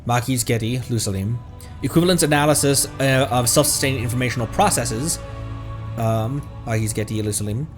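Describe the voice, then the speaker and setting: A man's voice: medium pitch, fairly quick, soft background music. A man streaming a video game, reading its text aloud with asides and stumbling over long words.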